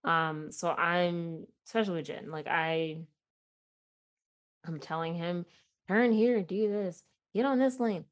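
Chatty Midwestern woman with a lowish voice. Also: fairly even intonation, takes it slowly. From Chicago. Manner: chatty, self-deprecating, laughs often, many fillers. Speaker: podcast host. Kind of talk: casual solo podcast chat.

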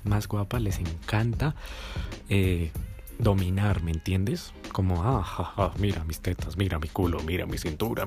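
A man giving dating advice in a casual monologue, animated, acting out voices and swearing. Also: low voice. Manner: animated, acts out voices, swears, sound effects like "pum". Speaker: dating coach podcaster.

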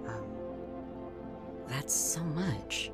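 A woman acting in an audio drama as an anxious, gentle twenty-year-old driver, hesitant and earnest, with stammered starts. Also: sits low, animated, drawn-out words, over music, full character voice. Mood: hesitant, patient.

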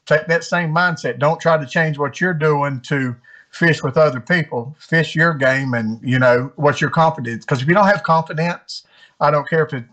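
A man's voice: fairly high pitch, a bit bright. A man from North Carolina, a guest angler giving earnest, encouraging advice in a casual interview. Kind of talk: casual interview over a call.

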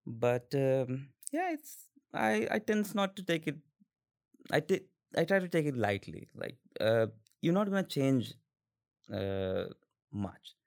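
A man in his twenties with an Indian accent, a podcast guest telling stories casually with halting restarts and fillers. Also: mid-range voice, vocal fry, a little mellow. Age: 20s. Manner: halting, many restarts and fillers, laughs often. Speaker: interview guest. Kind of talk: casual conversational storytelling.

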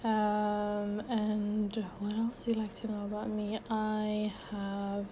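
A woman's voice: mid-range voice, monotone, slow, dark tone, a little hiss or hum. A woman in her twenties from Sweden, hosting a casual unedited solo podcast as a life coach, chatty and upbeat with many fillers and restarts, a bit out of breath. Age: 20s.

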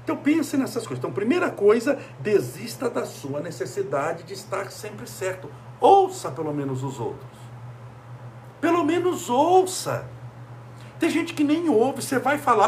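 Lively high-voiced Brazilian man preaching. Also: a little hiss or hum. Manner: emphatic, rhetorical questions. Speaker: speaker. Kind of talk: motivational talk.

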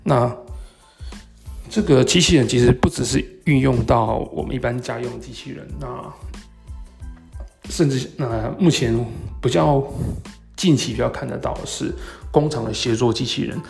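Male podcast host, Taiwanese Mandarin accent, very creaky voice, medium pitch, halting explanatory delivery, faint background music. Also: a little mellow. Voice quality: gravelly, creaky. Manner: halting, explanatory, frequent hesitant pauses and throat-clearing. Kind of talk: solo talk explaining tech and market topics.

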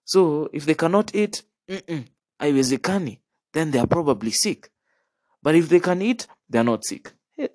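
Young Kenyan man, higher-pitched voice. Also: no echo. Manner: animated, chatty, addresses listener with tag questions and Swahili slang. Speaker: podcast host. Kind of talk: casual monologue with storytelling.

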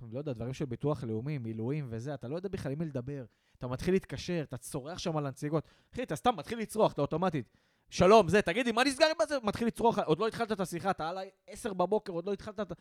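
A man's voice: on the high side, no echo, clean studio sound. A young man co-hosting a podcast, ranting in casual chat and acting out what people say. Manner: animated ranting, acts out quotes. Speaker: podcast co-host.

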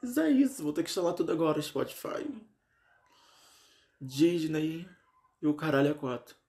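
A man's voice: fairly even intonation, moderate pace, darkish tone. A young Brazilian man vlogging in casual chat, venting dramatically and exasperatedly, his voice leaping up and down. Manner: dramatic, exasperated venting with big pitch swings.

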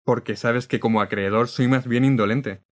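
A man's voice: medium pitch, steady tone, normal speed, natural voice. A man playing a male city hall clerk who banters and grumbles on the phone in a radio drama. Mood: bantering.

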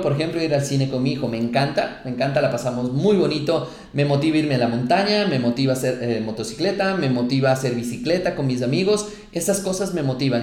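A man hosting a motivational podcast, coaching listeners in an animated, upbeat way with frequent rhetorical questions, his throat sore. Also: a little high. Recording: echoey room.

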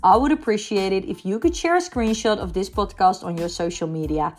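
A woman's voice: medium pitch, fairly quick, soft background music. Enthusiastic woman podcast host. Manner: gushing, enthusiastic. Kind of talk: upbeat podcast interviewing.

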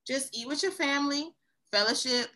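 A woman's voice: high-pitched, normal speed, pushed and bright. A woman co-hosting a podcast, speaking earnestly and reflectively in casual chat. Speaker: podcast co-host.

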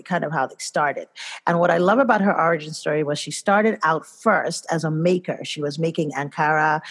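A woman's voice: fairly low pitch, slightly rough. A woman with a Nigerian accent hosting a podcast interview, talking in an enthusiastic, effusive way. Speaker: podcast host.

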